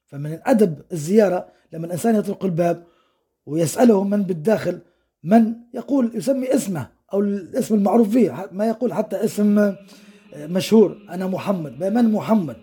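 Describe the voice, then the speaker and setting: A man's voice: sits high, expressive, fast talker, warm tone, husky. A man giving a podcast religious lesson, telling hadith stories with explanatory asides and acting out the quoted dialogue.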